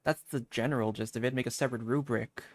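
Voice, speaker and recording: A man's voice: mid-range voice, steady tone, quick pace, no room sound. A man giving casual gameplay commentary as a streamer, informally thinking aloud. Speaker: game streamer.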